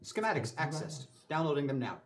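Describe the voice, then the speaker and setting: A man voicing a calm ship computer. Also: a little high, fairly quick, slight background noise. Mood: calm, formal. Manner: level, polite, formal machine-like phrasing. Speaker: game master. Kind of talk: voicing a character in a tabletop game.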